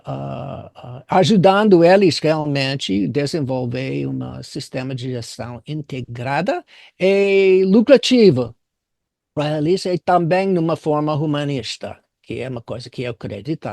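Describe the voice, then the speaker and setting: Older male interviewee, American accent, native English speaker. Creaky voice, halting delivery, dry sound. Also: on the high side, darkish tone, dry recording. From United States. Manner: halting, searching for words in non-native Portuguese. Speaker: business consultant interviewed as guest. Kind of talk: conversational interview storytelling.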